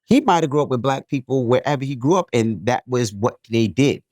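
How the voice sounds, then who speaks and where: A man from New York City co-hosting a podcast, reading a listener's email aloud and then giving his take in a joking, animated way. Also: medium pitch, fairly quick, no echo. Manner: animated, jokey, repeats himself. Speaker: podcast co-host.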